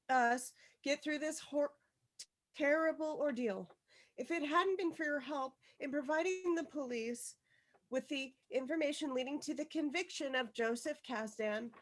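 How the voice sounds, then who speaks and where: A woman playing an awkward, earnest, dejected junior high schoolgirl in a screenplay table read, speaking in a halting, plain way. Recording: video call.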